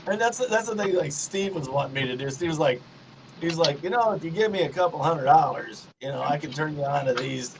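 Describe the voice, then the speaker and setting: A man's voice: fairly high pitch, brisk, crowd noise, low-quality recording. A middle-aged man hosting a podcast, chatting easily and laughing often. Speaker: podcast host. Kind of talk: casual conversation.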